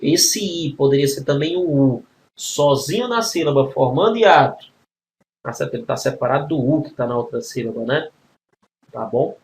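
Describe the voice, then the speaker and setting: A man's voice: mid-range voice, lively intonation, moderate pace, a little hiss or hum. A man teaching a grammar exam-prep lesson, explaining spelling rules step by step and checking in with frequent tag questions.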